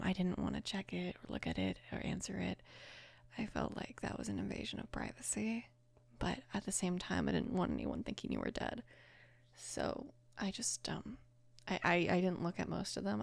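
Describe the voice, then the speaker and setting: A woman of about twenty playing a caring, apologetic mafia boss's daughter in an intimate ASMR roleplay, soft-spoken and hesitant, with a breathy, creaky voice. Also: lowish voice, no room sound, exaggerated voice. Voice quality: breathy, whispery with heavy creak.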